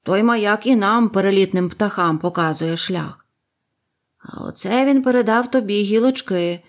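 A woman's voice: mid-range voice, moderate pace, lightly acted. A woman voicing two strong young bird brothers who talk earnestly and bicker. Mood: earnest, arguing. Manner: earnest, arguing.

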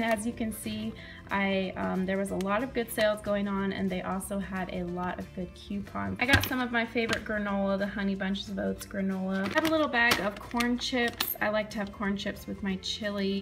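A woman's voice: mid-range voice, creaky. A young woman chatting casually in her kitchen as a vlogger, upbeat and listing what she bought. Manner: chatty, upbeat, lists items with prices. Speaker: vlogger showing a grocery haul. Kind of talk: casual chat. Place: home kitchen.

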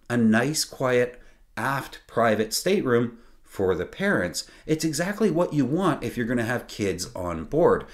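Animated man hosting a sailing channel. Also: mid-range voice. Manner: animated, emphatic, gestures with his hands. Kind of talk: scripted video commentary. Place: small home studio with lit shelves.

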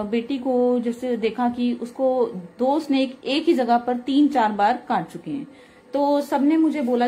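A woman's voice: high-pitched, a little mellow. A woman with a sore throat, earnestly recounting a devotional experience in casual spoken testimony. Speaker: devotional speaker sharing a satsang.

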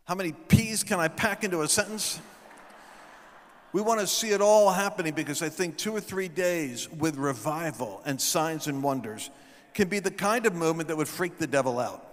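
A middle-aged man telling stories from a stage, preaching into a handheld mic and building up to shouted proclamations. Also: fairly high pitch, expressive, moderate pace. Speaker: guest speaker. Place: large event hall stage. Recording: long hall reverb.

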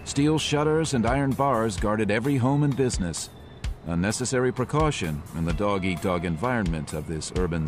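A man narrating in a measured, descriptive way. His voice sits very low. Music plays clearly beneath him. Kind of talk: scripted narration.

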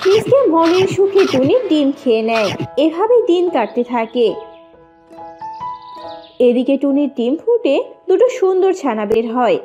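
A woman's voice: high-pitched, very animated, normal speed, long pauses, warm tone, soft background music. A woman narrating a scripted children's cartoon story.

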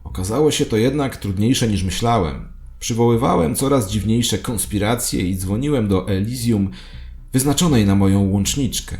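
A man's voice: on the low side, lively intonation, moderate pace, a little mellow. A man narrating a scripted first-person audio drama in a literary, confessional storytelling manner. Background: music.

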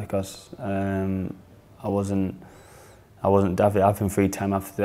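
Low, flat-voiced northern English young man. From northern England. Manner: hesitant, many fillers and restarts. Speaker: football player. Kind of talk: casual interview answers. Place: small studio, indoors.

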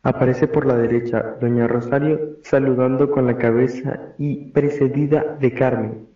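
Narrator: young Argentine male, mid-pitched, reading stage directions, dull roomy recording. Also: steady tone, moderate pace. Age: teenager or young adult.

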